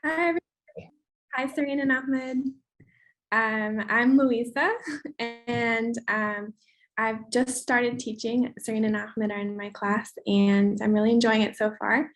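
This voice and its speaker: A woman from the United States who has just started teaching, introducing herself in a friendly, hesitant way with many pauses. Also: fairly high pitch, fairly even intonation. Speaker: new teacher. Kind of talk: self-introduction on a video call. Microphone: video call.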